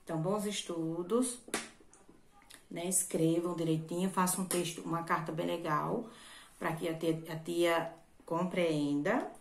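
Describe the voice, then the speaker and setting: A woman's voice: on the low side, steady tone, a little slow, creaky, a little hiss or hum. Patient woman teacher, echoey room. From Brazil. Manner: patient, repetitive, checks in with "certo?". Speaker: primary school teacher. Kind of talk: recorded remote lesson for children.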